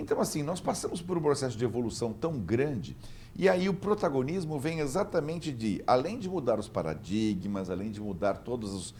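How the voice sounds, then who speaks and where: A dark, mellow voice moves at a moderate pace with very wide pitch swings and audible room echo. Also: man. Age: 60s. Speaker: cultural institute director. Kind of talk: web talk show interview.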